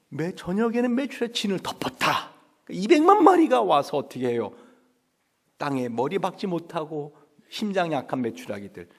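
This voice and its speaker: A man preaches in a church sanctuary at a dawn service. His fairly high voice leaps up and down in pitch. He keeps firing questions at the congregation and acts out little scenes. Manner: animated, acts out quails and children in high voices; asks the congregation questions constantly. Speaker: pastor. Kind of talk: dawn revival sermon.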